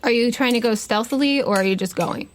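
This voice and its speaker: A woman's voice: fairly high pitch, a little fast, a little hiss or hum. A woman running a tabletop game, narrating off the cuff and putting questions to the players. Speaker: game master.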